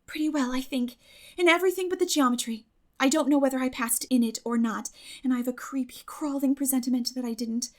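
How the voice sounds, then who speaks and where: A woman's voice: sits high, fairly even intonation, a little fast, pitched above the performer's own voice, natural voice. A woman voicing an earnest, dramatic, talkative teenage storybook heroine in a gushing, emphatic way. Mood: gushing, fretful.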